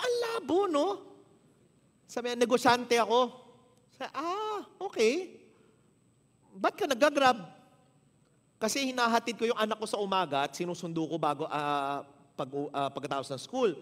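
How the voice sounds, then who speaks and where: A Filipino pastor preaches in a high, animated voice, swinging his pitch as he acts out both sides of a conversation. His words ring out with a long reverb from the church hall. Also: normal speed, pauses often. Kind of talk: sermon with storytelling.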